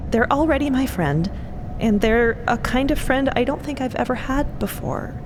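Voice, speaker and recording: Woman acting an earnest, awkward young woman, high and lilting. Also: normal speed, background noise. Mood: earnest, flustered. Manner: hesitant, earnest, rambling. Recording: steady rumbling ambience under voice.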